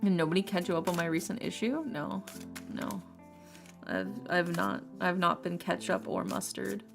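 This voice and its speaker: Texan woman, low gravelly voice, music behind. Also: expressive, moderate pace. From Texas. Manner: rambling, filler-heavy, swears casually. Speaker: streamer. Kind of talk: casual stream chat. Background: lofi music.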